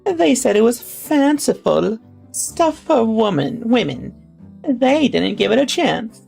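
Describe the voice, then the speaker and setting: A woman's voice: on the high side, sing-song, takes it slowly, gravelly, darkish tone, faint music behind, pitched above the performer's own voice, heavily acted. A woman voicing an elderly, courteous English noblewoman in a genteel, effusive old-lady voice as she reads a story. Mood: wistful, warm. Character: elderly English noblewoman, fond, courteous, passionate about opera.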